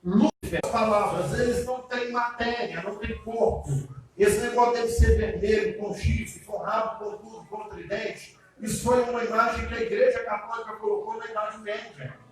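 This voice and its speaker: A man's voice: high voice, fairly even intonation, moderate pace. A man preaching as pastor, chatty and speaking straight to the congregation with frequent check-in questions. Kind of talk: sermon, question and answer service. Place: church hall. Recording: very echoey church hall, heard from a distance with faint noise.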